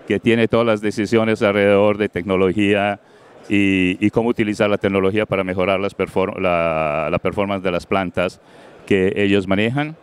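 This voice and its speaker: A middle-aged man from Colombia presenting on a conference stage into a handheld mic, halting often with fillers and slipping into English words. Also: lowish voice, clean tone. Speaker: panel moderator. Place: large event stage.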